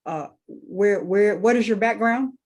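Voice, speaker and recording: A woman's voice: medium pitch, a little slow, darkish tone. A woman hosting a podcast who asks questions in an affirming, conversational way. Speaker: podcast host. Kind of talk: podcast interview.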